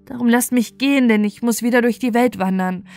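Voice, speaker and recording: A woman's voice: fairly high pitch, fairly quick, a little mellow, lightly acted. A woman voicing a remorseful, humble young prince who pleads emphatically in a fairy tale, with music behind. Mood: humble, troubled.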